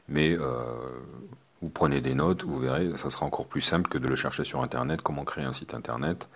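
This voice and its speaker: A man's voice: very deep voice, creaky, slightly rough. A man from France, a hypnotherapist teaching a course, talking hesitantly with many fillers and restarts. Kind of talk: spoken lesson to students.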